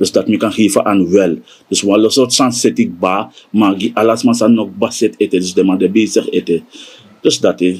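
The speech moves at a moderate speed. Its pitch variation is ordinary. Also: man, fairly low pitch for a man. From Suriname. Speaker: commentator on politics. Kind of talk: interview. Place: home room.

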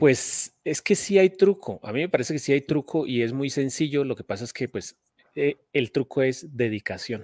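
Speaking with a Colombian accent, a man moves at a moderate pace with lively intonation and big swings in loudness. The sound is dry with no echo, and the background is quiet. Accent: Colombian Spanish (Boyacá). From Colombia, Boyacá. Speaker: math teacher and YouTuber; math teacher, YouTuber. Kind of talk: live stream chat. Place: home room. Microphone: studio mic.

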